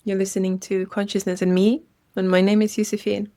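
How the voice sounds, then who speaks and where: Female meditation guide, medium pitch, gentle and unhurried delivery with generous pauses. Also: flat delivery.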